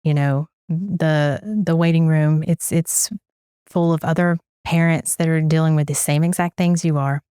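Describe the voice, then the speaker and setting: Young mom, interview guest, low smooth voice, earnest, repeats herself a bit. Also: female voice, little pitch movement, unhurried, warm tone, no room sound, clean studio sound. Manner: earnest, repeats words while searching for them. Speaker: guest, parent of a toddler. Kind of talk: candid interview testimonial.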